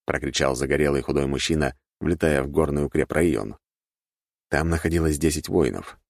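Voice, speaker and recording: Male audiobook narrator, very deep, gravelly, steady reading, dry close mic. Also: brisk, no room sound.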